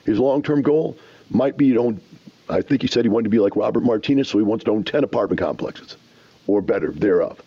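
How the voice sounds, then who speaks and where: A man's voice: fairly low pitch, fairly quick, slightly rough, dull audio. A man hosting a talk show, lecturing emphatically with rhetorical questions. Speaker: radio show host. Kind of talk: animated commentary.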